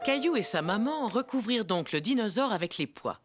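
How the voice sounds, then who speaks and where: A woman's voice: medium pitch, sing-song, fairly quick, lightly acted. A woman playing a kindly storyteller who narrates scripted storybook tales for young children in a cartoon. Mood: storytelling. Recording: music behind the narration.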